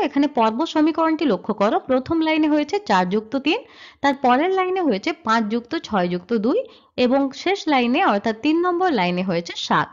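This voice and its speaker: A woman with a high, lively voice teaches a slide-based grammar lesson. She explains step by step, posing questions and answering them herself. The sound is dull and lo-fi.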